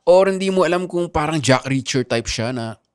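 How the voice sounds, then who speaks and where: A man hosting a podcast, telling stories in animated casual chat with constant tag questions. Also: on the high side, moderate pace, clear, resonant tone, no echo, clean studio sound. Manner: animated storytelling with frequent "di ba" asides. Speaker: podcast host.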